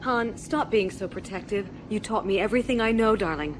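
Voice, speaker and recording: A woman's voice: medium pitch, brisk, background noise, lightly acted. A woman playing a determined, intuitive heroine in a space audio drama, earnest, firm and focused. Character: determined, intuitive wife, a heroine sensing the Force.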